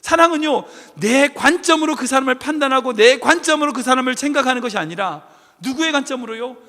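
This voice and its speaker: A man's voice: extremely high pitch, lively intonation, brisk, pushed and bright, long reverb tail. A man preaching a sermon as pastor, telling a story and asking the congregation questions.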